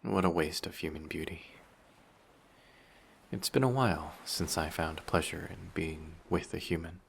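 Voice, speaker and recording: Man acting as dangerous merman monster, unhurried, creaky low register, formal, softly threatening, intimate audio drama, faint ambient noise behind. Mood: regretful, menacing. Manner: measured, quietly menacing, formal wording. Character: dangerous, possessive, flirty male sea monster with fish tail.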